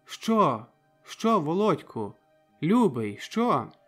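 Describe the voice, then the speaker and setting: Anxious young woman in a storybook reading, voiced by a male narrator, lifted higher than his usual tone, with soft, half-whispered questions that press for an answer. A faint bed of music runs beneath. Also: sing-song, slow, exaggerated voice. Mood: tender, pleading.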